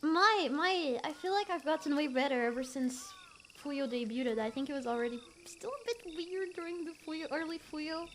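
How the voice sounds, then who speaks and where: A woman's voice: high voice, normal speed, a little hiss or hum. A young woman streamer, not a native English speaker, chatting casually with her chat, giggly and rambling with fillers. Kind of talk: casual chat reading chat messages.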